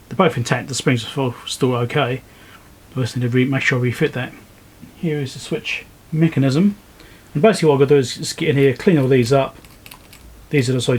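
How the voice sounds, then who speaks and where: A man giving casual, low-key commentary as he works, thinking aloud step by step like a repair video host. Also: a little mellow, breathy edge. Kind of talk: casual hands-on commentary while working. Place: indoor repair workbench.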